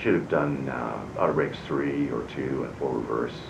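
An actor playing a distraught, apologetic airline captain in a halting cockpit recording reenactment. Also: male voice, creaky. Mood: self-reproaching. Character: distraught, apologetic male airline captain after a runway accident. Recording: distant, dull, roomy cockpit with loud rumble.

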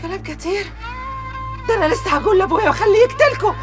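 High shrill Egyptian maid. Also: female voice, lively intonation, rapid-fire, over music. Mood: heartbroken. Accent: Egyptian Arabic. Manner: wailing, cursing outbursts. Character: young woman, wronged maid, fiery. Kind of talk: TV drama acting.

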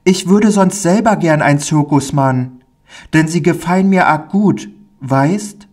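A man voicing a shy, timid little boy in a storybook reading, with a high, pleading tinged voice. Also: slow, darkish tone. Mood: anxious, eager.

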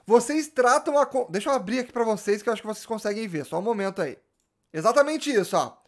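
Casting: young football vlogger, very high voice, excited and slangy, talks with his hands. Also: quick pace. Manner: animated, gesturing, slangy, frequent restarts. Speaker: football YouTuber. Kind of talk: casual fan commentary to camera. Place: small indoor room with gaming chair.

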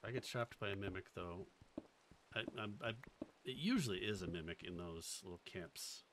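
A man's voice: sits low, moderate pace, background noise. A man with a faint Boston accent, casually thinking aloud and chatting with viewers while streaming a game. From Boston area. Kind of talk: casual live-stream commentary.

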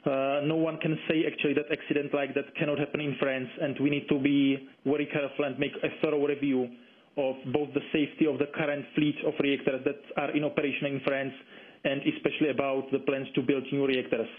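A man is being interviewed over a phone line that narrows his voice. His intonation stays quite flat. He explains things carefully, with some hesitation as he chooses his phrases. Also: medium pitch. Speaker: interviewed environmental campaigner. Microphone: telephone. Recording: dull, band-limited phone line.

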